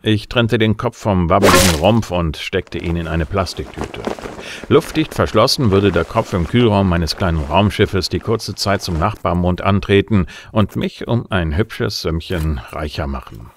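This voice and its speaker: An actor playing a tough, sardonic bounty hunter, narrating and speaking in a dry, matter-of-fact way in a science fiction radio drama. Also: male voice, low voice, unhurried, noisy background. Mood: sardonic narration. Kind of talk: first-person hardboiled radio drama narration and dialogue.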